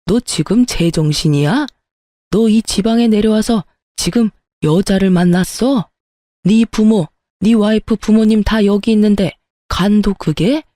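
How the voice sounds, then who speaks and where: A woman reading as a stern older man, a father-in-law, scolding bluntly in a mellow, low-key tone. His voice is dry and close, as in a read-aloud story. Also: measured pace, no room sound, natural voice.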